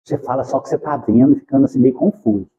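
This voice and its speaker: Fast-talking Brazilian man, mellow lo-fi lecture. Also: mid-range voice. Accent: Brazilian Portuguese. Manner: folksy storytelling, rhetorical questions, acts out dialogue. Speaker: spiritist lecturer. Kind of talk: informal spiritist talk with acted anecdotes. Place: spiritist centre hall.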